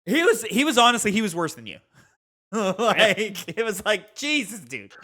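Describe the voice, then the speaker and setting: A man's voice: sits high, big pitch swings, moderate pace, pushed and bright. A man co-hosting a casual gaming podcast, chatting in an argumentative way and swearing casually. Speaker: podcast co-host.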